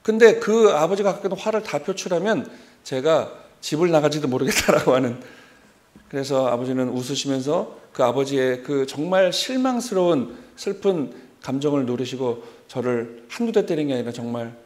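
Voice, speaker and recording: A man in his forties preaching a sermon, telling a personal story in an animated way and acting out remembered dialogue. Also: fairly high pitch, normal speed. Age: 40s.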